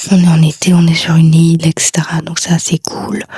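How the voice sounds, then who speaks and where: A woman whispering at a moderate pace, the sound dry and close with no echo. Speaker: book vlogger. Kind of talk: casual vlog.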